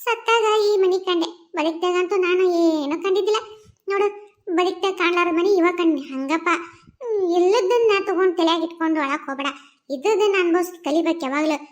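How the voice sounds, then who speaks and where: A woman's voice: extremely high pitch, a little fast. A woman voicing a carefree murdered female ghost in a cartoon, speaking North Karnataka Kannada in a soothing, chatty, folksy manner. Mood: consoling. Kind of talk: cartoon voice acting.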